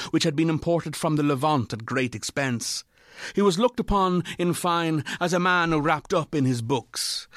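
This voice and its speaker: A man narrating a classic literary ghost story from a script in a measured, deliberate way. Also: a little high, dry recording, studio quality.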